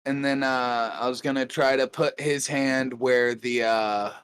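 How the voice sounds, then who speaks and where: A man's voice: medium pitch, steady tone, unhurried, a bit bright, slight background noise. A man playing a tabletop game, talking hesitantly and trailing off with fillers. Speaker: player. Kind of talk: casual tabletop play.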